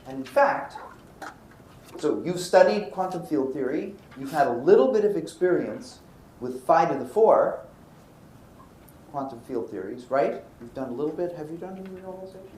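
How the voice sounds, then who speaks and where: This Brooklyn-born American lectures on physics, mixing in anecdotes and posing questions he then answers. He speaks at a moderate pace in a fairly high, expressive, slightly mellow voice. The lecture room adds a roomy echo over faint background noise.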